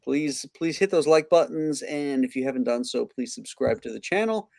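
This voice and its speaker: A man of average pitch hosts a livestream in a relaxed conversational style. The recording is dry, with little room around the voice. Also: moderate pace, creaky, no echo. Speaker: host of a comics livestream. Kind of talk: casual chat.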